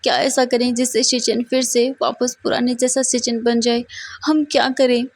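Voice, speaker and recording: A woman's voice: on the high side, little pitch movement, normal speed. A woman voicing an anxious older father who stammers and repeats himself while pleading.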